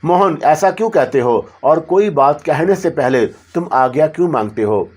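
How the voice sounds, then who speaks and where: A man's voice: on the high side, expressive. A man voicing a devoted, lovesick young female spirit who speaks tenderly and with longing. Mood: yearning. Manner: tender, yearning, softly pleading.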